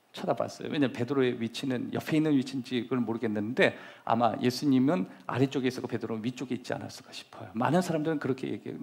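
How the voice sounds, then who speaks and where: Middle-aged male pastor, church sermon, animated delivery with sudden whispers, mid-range voice. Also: medium pitch. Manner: animated preaching, acts out scenes, shifts to soft whispers. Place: church sanctuary.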